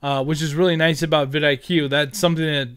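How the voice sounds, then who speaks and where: Speaking into a headset, a man with a fairly high, fairly bright, clean-toned voice walks through a screen-recorded tutorial. He's a gaming content creator who talks briskly with fairly even intonation, rambling casually and thinking aloud as he types.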